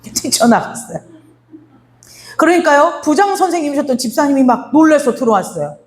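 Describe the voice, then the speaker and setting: A woman pastor delivers a storytelling sermon, speaking straight to her congregation. Her voice sits high and moves in wide, lively swings. She acts out the lines of dialogue within her story. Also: brisk. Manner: direct address to the congregation.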